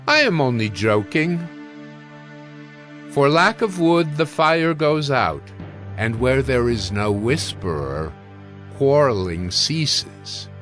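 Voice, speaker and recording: A man narrating a dramatized audio Bible with measured, emphatic phrasing and deliberate pauses. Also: a little high, a bit bright. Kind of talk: dramatized scripture reading. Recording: music bed under the voice. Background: music.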